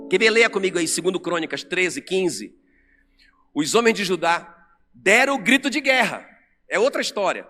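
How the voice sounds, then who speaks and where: A man with a Brazilian Portuguese accent preaching an animated sermon to a congregation in a church. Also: high voice, normal speed. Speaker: pastor. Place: church sanctuary. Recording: long church reverb with music under.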